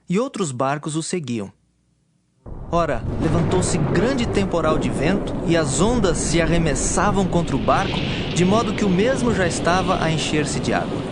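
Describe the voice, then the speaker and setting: Higher-voiced male Bible narrator. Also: heavy background noise. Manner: measured, formal. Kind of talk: scripted narration of dramatized Bible. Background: music.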